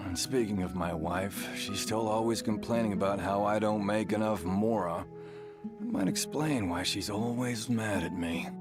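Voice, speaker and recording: A man's voice: fairly low pitch, a little slow, natural voice. A man voicing a kindly, rambling married villager in a video game. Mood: grumbling. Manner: rambling, animated storytelling with sighs. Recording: game music behind the voice.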